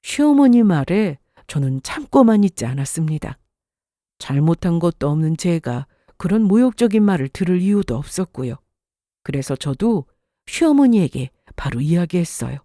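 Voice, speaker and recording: A woman narrating a first-person story in a calm, scripted storytelling manner. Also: lowish voice, normal speed, no echo, studio quality.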